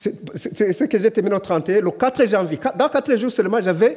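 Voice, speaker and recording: Here a man talks at a high pitch. His intonation is lively. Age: 60s. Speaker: lay preacher. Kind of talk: sermon. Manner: halting, many repetitions.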